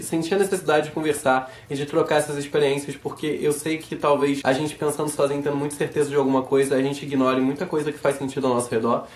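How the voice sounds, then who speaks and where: A man with a Rio de Janeiro accent talks in a chatty, emphatic vlog style at a very rapid pace. His voice sits somewhat high and is a little hoarse from a sore throat. The room around him is noticeably echoey. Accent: Rio de Janeiro Brazilian. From Brazil. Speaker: vlogger. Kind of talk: casual monologue to camera.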